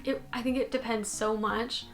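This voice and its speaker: A chatty young Canadian woman vlogs from her bedroom, her voice a little high and her pace moderate, with soft music playing behind her. She's animated and talks with her hands in this casual talking-head video, recorded indoors by a fixed camera at desk distance.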